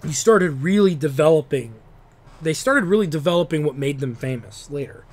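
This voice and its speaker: A man with a slightly higher voice rambles about old games in a loose monologue. He swears freely and keeps restarting his sentences. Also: expressive, moderate pace. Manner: rambling, profane, restarts often. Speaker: video game talk show host. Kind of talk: casual monologue.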